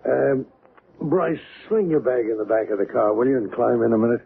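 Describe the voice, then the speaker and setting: A thin, noisy old radio recording carries a resigned, skeptical friend , acted by a man. The voice is middling in pitch with a gravelly creak, played as 1970s radio drama. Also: a little fast, natural voice. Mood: casual, uneasy. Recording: narrow-band old radio, background noise.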